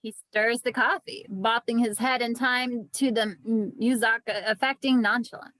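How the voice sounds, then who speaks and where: A woman's voice: a little high, steady tone, unhurried, a bit bright, dry recording, low-quality recording. A woman narrating scripted stage directions at an amateur table read.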